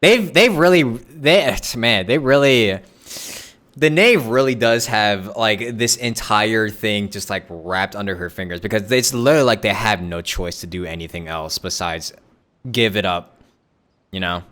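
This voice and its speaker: A man's voice: on the low side, unhurried, a bit bright. A male streamer giving casual reaction commentary, rambling with restarts and laughs.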